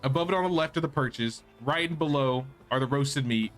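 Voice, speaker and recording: A man's voice: medium pitch, a little fast, faint music behind, natural voice. A man voicing a cryptic, mystical video game quest-giver in a solemn, instructive way. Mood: grave, instructive. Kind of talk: reading game character dialogue aloud.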